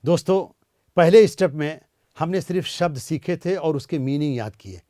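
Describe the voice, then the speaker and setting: A male language teacher giving a beginner lesson, repeating each word slowly so listeners can say it after him. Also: fairly high pitch, warm tone, no room sound, clean studio sound.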